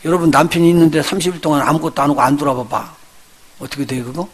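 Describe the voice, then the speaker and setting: A male pastor preaching a sermon, telling the story with lively, acted-out voices and putting questions straight to his congregation. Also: fairly high pitch, fast talker, breathy edge. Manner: lively storytelling, acts out the characters he retells; addresses the congregation directly with questions.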